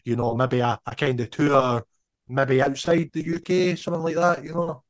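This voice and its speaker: A man's voice: medium pitch, normal speed, no echo, studio quality. A Scottish man in his thirties, a band member talking casually in an interview and rambling with lots of fillers. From Scotland. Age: 30s. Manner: relaxed, rambling, lots of "you know".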